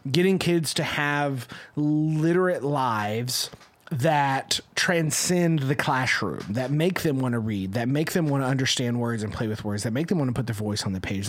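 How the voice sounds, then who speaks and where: A man co-hosting a podcast in casual discussion, talking in an animated, argumentative way and often tagging points with questions. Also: mid-range voice, moderate pace. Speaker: podcast co-host.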